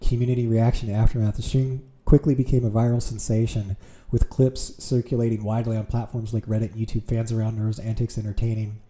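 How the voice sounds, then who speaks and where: A man's voice: fairly low pitch, little pitch movement, fast, hardly any pauses, mellow. A man streaming from home, reading aloud with amused reactions, with keyboard clicks nearby. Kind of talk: casual streaming commentary.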